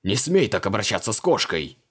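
A man's voice: fairly low pitch, very animated, brisk, a bit bright. A man voicing an arrogant ancient male Sumerian archmage, haughty and pompous.

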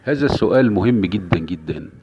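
A man's voice: sits low, lively intonation, fast talker, noisy background. A male Islamic preacher giving an emphatic religious lecture, repeating key phrases for weight. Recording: dull lo-fi recording.

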